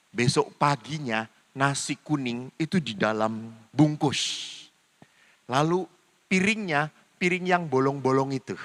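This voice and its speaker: A man's voice: mid-range voice, sharp tone. An older man, a Catholic priest, preaching a humorous sermon and acting out the dialogue in his stories. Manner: storytelling, mimics dialogue with voice changes. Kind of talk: humorous sermon with acted anecdotes. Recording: reverberant hall sound.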